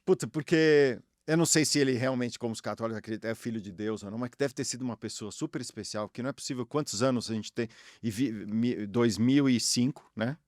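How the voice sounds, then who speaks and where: A middle-aged Argentine man with a Brazilian Portuguese accent chats as an interview guest. He rambles in slang, often stopping and restarting his sentences. His voice sits at an ordinary pitch, recorded close and dry with no room sound. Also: fast talker, no echo. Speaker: guest, former tennis player. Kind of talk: casual interview chat.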